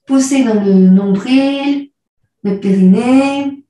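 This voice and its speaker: Yoga teacher, woman, calm step-by-step cues; distant mic in a roomy hall. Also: a little high, slow pace. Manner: calm, cueing breath and movement step by step. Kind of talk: guided yoga class instruction. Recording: echoey room, voice from afar.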